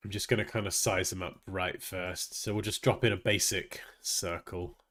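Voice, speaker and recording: Hosting a graphic design livestream, a man chats casually and thinks aloud mid-task. His deep, slightly bright voice keeps a fairly even intonation at a moderate pace, and he sounds sniffly and nasal from a stuffy nose.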